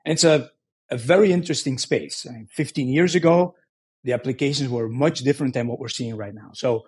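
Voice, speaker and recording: A middle-aged man from Belgium, a guest in a podcast interview, explaining his work in a measured way with frequent restarts. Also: mid-range voice, darkish tone, husky. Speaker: guest, engineering executive.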